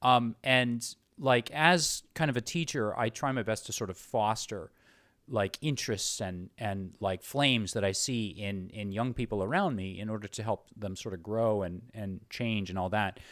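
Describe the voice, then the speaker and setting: A man's voice: lowish voice, moderate pace, fairly bright tone, no echo, studio quality. A man with a North American accent hosting a casual interview, rambling informally and hedging as he frames his thoughts. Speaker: interviewer, host.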